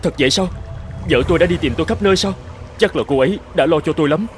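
A man's voice: on the high side, fast talker, faint music behind, close to an everyday voice. A man playing a scheming runaway tribal chieftain in a dubbed fairy-tale cartoon, with dramatic storybook delivery. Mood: startled, earnest.

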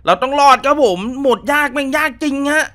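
Jumpy, high-voiced man playing a horror game. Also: a little fast. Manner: excitable, jumpy, calls out while playing. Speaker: gaming video host. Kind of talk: horror game play commentary.

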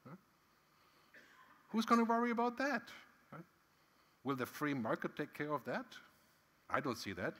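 A man's voice: fairly high pitch, sing-song, moderate pace, long pauses, pushed and bright. A middle-aged man giving a conference keynote on a large stage, talking in a conversational way with frequent "right?" tags and emphatic swings. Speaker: keynote speaker. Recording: long hall reverb.

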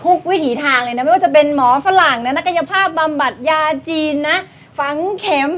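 An actress playing a bossy, scheming woman who looks after a bedridden grandmother and talks fast and scolds. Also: sits high, fairly bright tone. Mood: defensive. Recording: dull TV sound with music behind.

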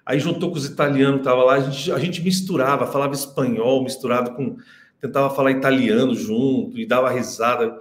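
A man's voice: medium pitch, brisk, roomy sound. A man, a singing teacher telling stories casually on a live stream, laughing often and acting out what others said. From Brazil. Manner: animated, laughing storyteller who acts out quotes.

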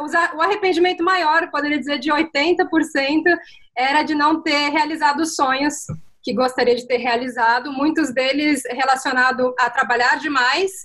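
A woman in her thirties with a bright, high voice tells her story on a video call from a small room at home. She talks in a reflective way, full of pauses and little fillers. Her voice comes through a laptop microphone. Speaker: guest, former nurse. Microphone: laptop webcam on video call.

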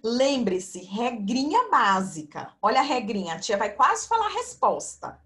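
A woman teaching young children in an online class over a video call, speaking slowly in a sing-song, patient teacher voice. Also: a little high, big pitch swings, a bit bright. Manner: slow, sing-song teacher talk to children, calls herself auntie. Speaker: primary school teacher. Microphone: computer mic on video call.

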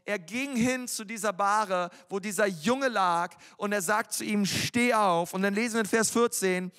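A male pastor delivers a sermon in a relaxed, youthful manner, dropping slang and filler words as he goes. His voice sits high, and it rings out with a long reverb through a church hall. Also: moderate pace, clean tone. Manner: casual, youthful preaching with frequent fillers and slang.

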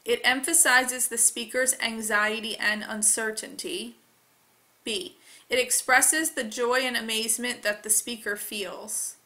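Woman reading out exam questions, really slow and careful, clear bright tone. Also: a little high, fairly even intonation. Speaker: test reader. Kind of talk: slow read-aloud of test questions.

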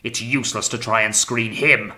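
A man's voice: deep voice, moderate pace, pushed and bright. A man voicing a raging, paranoid, tyrannical sea captain in an audiobook, barking imperiously and with menace. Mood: menacing, accusing. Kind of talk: dramatised audiobook character.

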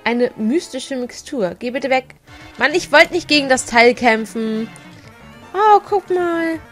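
A woman provides casual, chatty commentary for a let's play, giggling a lot and tripping over her words. Her voice is fairly high and a bit bright, and she speaks unhurriedly. Faint game music plays in the background.

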